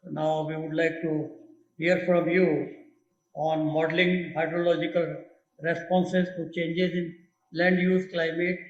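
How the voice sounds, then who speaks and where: A man chairing a webinar session, introducing the speaker with polite, formal requests. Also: a little high. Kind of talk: formal moderating. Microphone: video call. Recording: echoey, dull call audio with hum.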